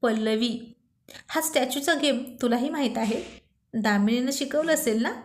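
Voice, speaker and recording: A woman's voice: fairly high pitch, moderate pace, echoey room, slight background noise, natural voice. Woman reading as a flustered young man. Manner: stammering, self-doubting.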